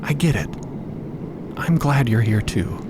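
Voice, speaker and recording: A man voicing a warm, encouraging woman who consoles a stranded companion in an audio drama. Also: medium pitch, animated, unhurried, noisy background, close to an everyday voice. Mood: gentle comfort. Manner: reassuring, soothing.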